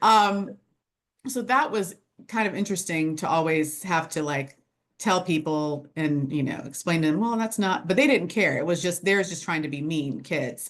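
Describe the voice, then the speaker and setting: This is a woman with a plain, everyday voice and an American accent, pitched fairly low. She talks at a moderate pace with lively intonation over a quiet background. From US South, small town in South Georgia. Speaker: interview guest. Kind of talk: casual interview.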